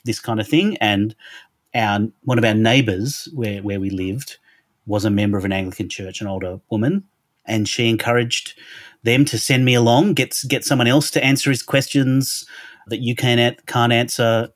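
A man's voice: mid-range voice, no echo, studio quality. A middle-aged Australian man with an Australian accent, a guest speaking thoughtfully in a casual interview, often restarting his phrases. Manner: thoughtful, restarts phrases, lists words in a row. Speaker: podcast guest, Anglican minister.

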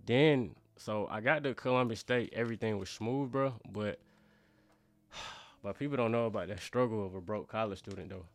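Low-voiced young African American man chatting. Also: moderate pace. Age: young adult. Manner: slangy, conversational, often says bro and you know what I'm saying. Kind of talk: casual storytelling chat.

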